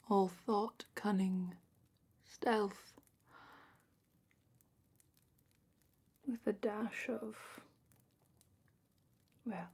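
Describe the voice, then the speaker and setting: A woman playing a gentle, knowledgeable dragon keeper in a fantasy ASMR roleplay, speaking in a hushed, breathy, unhurried way that often drops into a whisper. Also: mid-range voice. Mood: soft, thoughtful. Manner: hushed, unhurried, careful explaining.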